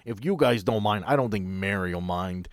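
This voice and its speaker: A man voicing a gruff, plain-spoken hospital guard in a tabletop game, folksy and matter-of-fact. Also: lowish voice, moderate pace, no room sound, clean studio sound, lightly acted. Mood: matter-of-fact, wary.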